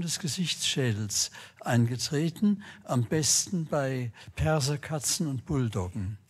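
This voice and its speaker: Speaking at a very slow pace against a quiet background, a man with a somewhat breathy voice makes very wide pitch swings. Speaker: audience member asking question; audience member. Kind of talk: audience question. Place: hall.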